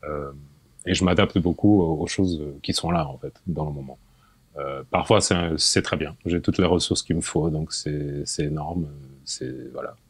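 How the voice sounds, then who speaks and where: Man in his forties, very deep voice, hesitant, repeats himself, laughs, dry close sound. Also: moderate pace, gravelly, breathy edge, no echo. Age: 40s. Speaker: podcast guest. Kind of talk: casual interview.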